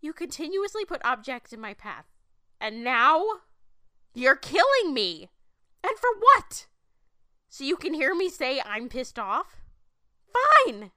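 A young woman rails against fate in raw fury. Her voice is high and bright and swings widely. The sound is dry and close. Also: very animated, moderate pace, no room sound, full character voice. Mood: furious. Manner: defiant, shouting, accusing. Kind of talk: TV drama acting.

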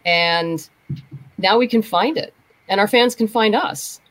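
A woman speaking as a podcast guest, explaining things casually in a measured way. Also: medium pitch, a bit bright, poor audio. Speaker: podcast guest, comics creator. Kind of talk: casual conversation about crowdfunding.

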